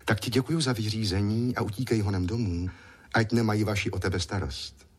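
Man reading a gentle young woman, soft, calm, low husky voice.

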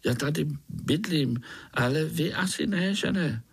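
A man's voice: fairly high pitch, lively intonation, vocal fry, husky, pitched above the performer's own voice, exaggerated voice. A man voicing a timid young male forest creature who stammers and speaks shyly and hesitantly.

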